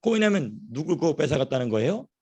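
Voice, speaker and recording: A man preaching a sermon as a pastor, telling stories in an animated way and repeating phrases for emphasis. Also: a little high, fast, husky, dull audio. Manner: storytelling, animated. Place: church.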